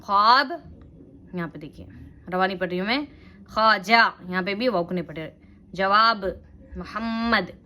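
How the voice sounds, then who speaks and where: A woman with a South Asian Urdu accent teaching a reading lesson, spelling words out slowly letter by letter and explaining patiently. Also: medium pitch, pushed and bright, a little hiss or hum.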